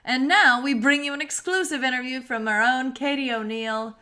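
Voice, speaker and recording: A woman playing a brisk, syrupy television news reporter in a screenplay table read, with a polished presentational delivery. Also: sits high, sharp tone.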